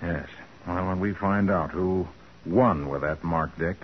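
An actor playing a calm, commanding male private detective in a brisk, authoritative 1940s radio drama style. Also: low-pitched. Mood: calm, firm. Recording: noisy, muffled old radio broadcast.

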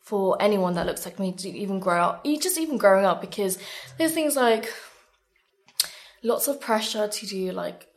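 A woman's voice: mid-range voice, lively intonation, normal speed. Earnest woman in a candid interview. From born in Sri Lanka, moved abroad aged three or four. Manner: earnest, emphatic, frequent "like". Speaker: guest, beauty content creator.

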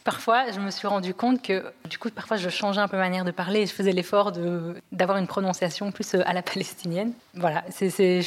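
A woman's voice: medium pitch, fairly even intonation, a little fast, few pauses, long reverb tail. A woman in her thirties from Belgium, giving an earnest, reflective personal testimony as a podcast guest, with many hesitations. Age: 30s.

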